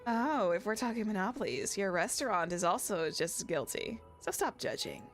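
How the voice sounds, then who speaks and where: A woman's voice: medium pitch, animated, moderate pace, pitched below the performer's own voice, lightly acted. A woman voicing a sly, teasing young shady merchant in a game, with theatrical salesy delivery. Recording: music behind the voice.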